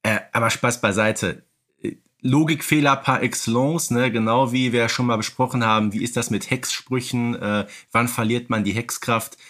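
A man's voice: mid-range voice, steady tone, moderate pace, fairly bright tone. A man from Germany's Ruhr area co-hosting a casual, humorous podcast, talking emphatically with playful, mock-outraged exaggeration. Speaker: podcast co-host.

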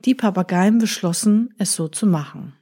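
A woman narrating a storybook tale in a calm, measured manner. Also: mid-range voice, slightly rough. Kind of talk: storybook reading.

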